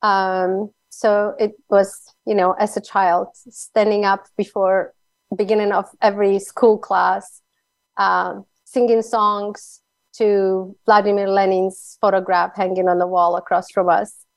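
A woman's voice: mid-range voice, flat delivery, slow, no echo. A woman from Slovakia with a Slovak accent, a cheerful guest speaker in an interview, often laughing. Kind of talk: interview conversation.

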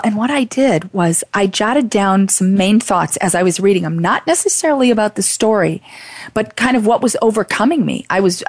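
A woman hosting an interview, earnest and effusive, halting as she gathers her thoughts. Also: mid-range voice, no room sound. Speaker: interviewer, show host. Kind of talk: casual interview.

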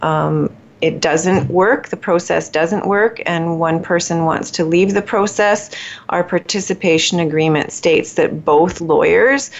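Low gravelly-voiced woman lawyer. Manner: thoughtful, measured, many pauses with fillers. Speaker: collaborative family lawyer. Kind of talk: conversational interview answers. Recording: dull lo-fi audio.

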